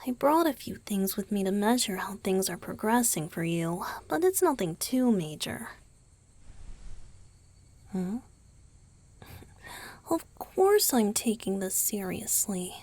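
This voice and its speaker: A woman playing a gentle, doting young male vampire boyfriend in a romantic ASMR roleplay, speaking softly and tenderly, mostly in a breathy whisper. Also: mid-range voice, very animated, slow pace, long pauses, dry recording. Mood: caring, attentive. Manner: tender, attentive, softly reassuring.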